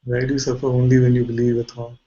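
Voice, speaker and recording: A man leading an informal guided spiritual dialogue as a teacher, asking probing questions and pausing mid-sentence. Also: mid-range voice, monotone, dark tone, muffled recording.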